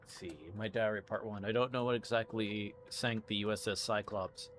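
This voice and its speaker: A man with a fairly low voice reads out in-game text and comments as he plays for a stream. There is some faint noise behind him. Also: fairly even intonation, normal speed. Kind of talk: let's play, reading game text aloud and commenting.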